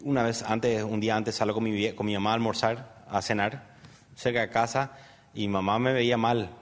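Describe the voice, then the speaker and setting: A man's voice: on the low side, level tone, normal speed. A man with a Paraguayan Spanish accent, an interview guest giving a personal testimony in a rambling way, full of fillers and tag questions. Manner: rambling storyteller, many fillers and "¿verdad?" tags. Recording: long hall reverb.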